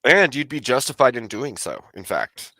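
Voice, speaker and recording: A man's voice: mid-range voice, very animated, moderate pace, sharp tone, no echo, low-quality recording. A man hosting a live stream, chatting casually and telling a story in a dry, matter-of-fact way. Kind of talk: casual chat.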